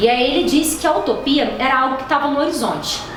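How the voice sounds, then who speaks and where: Amid noticeable background noise and audible room echo, a woman speaks at a fairly quick pace in a high pitch. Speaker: law lecturer. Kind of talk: lecture. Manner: fast.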